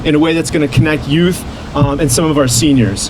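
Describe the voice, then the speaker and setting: Amid noticeable background noise and audible room echo, a man with a fairly high pitch speaks at a very fast pace. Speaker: city official. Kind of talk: public speech. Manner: animated.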